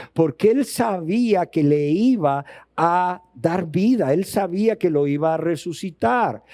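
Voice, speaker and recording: A man delivers an emphatic sermon as pastor, his voice on the high side yet warm and mellow. He drives his points home with rhetorical questions and acts out scripture scenes in his own voice. The recording is close and dry, with no room sound. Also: no room sound.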